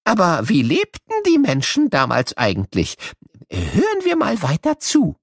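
A man's voice: a little high, wildly swooping pitch, measured pace, vocal fry, no echo, pitched above the performer's own voice, heavily acted. A man voicing an old scientist who chattily explains things to children in an audio play, musing and humming to himself. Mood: musing, explaining. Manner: chatty, musing, with little hums and questions.

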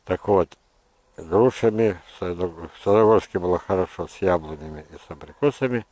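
An older man, a gardener giving an unscripted, opinionated lesson, talking in a halting, digressive way. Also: sits low, darkish tone, no echo, low-quality recording. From Russia. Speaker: gardener presenting his orchard. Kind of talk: unscripted instructional monologue. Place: outdoors in a hillside orchard.

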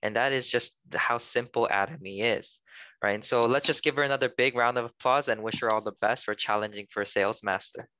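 A man's voice: medium pitch, fairly even intonation, a little fast, sharp tone, a little hiss or hum. A young man hosting an online seminar in an upbeat presenting style over a headset on a video call, with slightly dull audio. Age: young adult. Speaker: seminar host.

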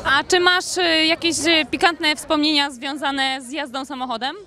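A woman's voice: high-pitched, fairly even intonation, moderate pace, crowd noise. A young woman reporter asking questions at an outdoor evening gala into a handheld mic, upbeat with some fillers. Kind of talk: red-carpet interview questions.

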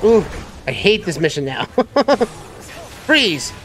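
A man streaming a video game live, reacting excitably with frequent exclamations and laughter. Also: high voice, normal speed, faint music behind. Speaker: gameplay streamer. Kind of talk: live gameplay commentary.

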